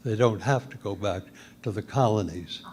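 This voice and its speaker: A man's voice: lowish voice, normal speed, a little mellow, slight background noise. A man in the audience asking a question at a talk, phrasing it carefully.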